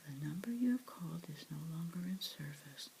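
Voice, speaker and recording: A woman's voice: lowish voice, animated, a little fast, creaky, darkish tone, slight background noise, poor audio. A woman whispering the lines of a recorded telephone message in a story. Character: flat recorded phone message.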